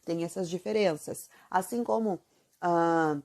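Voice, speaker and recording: A woman's voice: fairly low pitch, unhurried, darkish tone. Chatty Brazilian teacher woman, Santa Catarina accent. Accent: Santa Catarina Brazilian Portuguese. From southern Brazil. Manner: chatty, asks the viewer many questions, many fillers. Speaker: Italian teacher. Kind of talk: casual video lesson.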